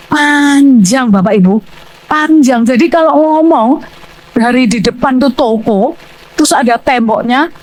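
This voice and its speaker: An older woman with a Surabaya Indonesian accent preaching a sermon in church, telling stories loudly and emphatically. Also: high voice, rough recording. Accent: Surabaya Javanese Indonesian. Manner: animated storytelling, loud and emphatic, acting out dialogue.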